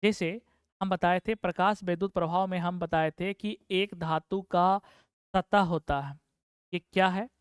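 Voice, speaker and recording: A man teaches physics for a board exam. He keeps throwing questions at his students and answering them himself, and slows down to repeat terms for notes. His voice is smooth and clear, recorded dry and close. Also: high voice, steady tone, dry recording. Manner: asks the class a question, then answers it himself; repeats key terms slowly for dictation. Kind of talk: exam-prep physics lesson.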